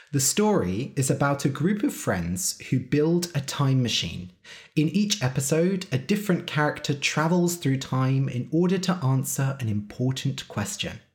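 A podcast host speaking slowly and clearly for English learners, spelling out web addresses letter by letter. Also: mid-range voice, darkish tone. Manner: careful and deliberate.

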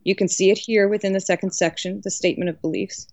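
A woman's voice: mid-range voice, steady tone, fast talker, darkish tone, dry recording, natural voice. A woman reading the part of an earnest, learned male colonial law professor, didactic and emphatic, from a historical novel. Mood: earnest, instructive. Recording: dull lo-fi audio.

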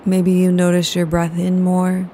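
A woman leading a guided yoga nidra meditation, speaking slowly and soothingly. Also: lowish voice, completely flat delivery, warm tone, slight background noise. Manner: slow, soothing, unhurried.

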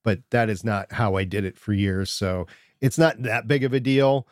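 A man with a quiet voice co-hosting a podcast from his home studio, talking through gear in a measured way. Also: fairly low pitch, no echo. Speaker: podcast co-host. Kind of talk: casual tech chat.

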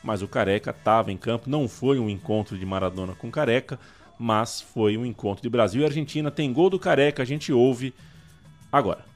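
A man's voice: medium pitch, fairly quick. A Brazilian man hosting a football history show, telling stories in a conversational way. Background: music.

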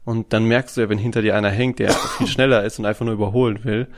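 A man in a casual chat, explaining things in a relaxed, rambling way. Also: on the low side, fast. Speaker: co-host.

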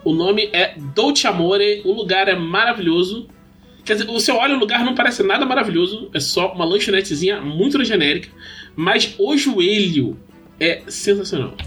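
A man hosting a podcast, telling stories in a casual, animated way and laughing often. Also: sits high, normal speed, soft background music. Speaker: podcast host. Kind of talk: casual chat. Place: lives in São Paulo.

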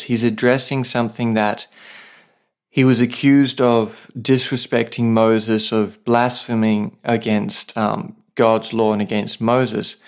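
A man who hosts a Bible podcast, reading a scripture passage aloud in a steady voice and breaking off to explain it in a livelier way. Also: mid-range voice.

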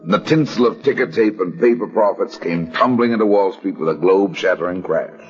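A man's voice: deep voice, brisk, husky. An actor playing a cool, hard-boiled male private detective who narrates in clipped, wry lines, as in a 1950s radio drama. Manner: clipped first-person narration. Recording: dull old radio broadcast.

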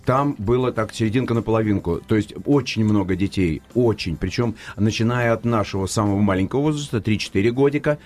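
An older man, an actor and former children's TV presenter, telling stories as a guest in a radio studio, lively and emphatic. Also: on the low side, quick pace, few pauses, faint music behind. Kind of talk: studio interview.

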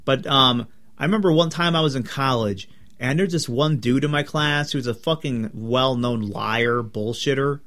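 A man's voice: medium pitch, normal speed, a bit bright. A young man co-hosting a podcast while sick, talking bluntly and crudely and teasing his co-host in casual chat.

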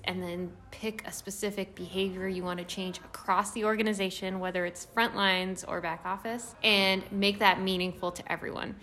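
A woman's voice: mid-range voice, a bit bright, a little hiss or hum. Upbeat woman analyst at a conference. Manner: upbeat, enthusiastic. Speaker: research analyst. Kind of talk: conference interview answer.

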